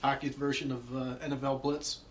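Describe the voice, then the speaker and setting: Fast-talking man tossing in remarks. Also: medium pitch, flat delivery, slight background noise. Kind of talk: casual sports chat.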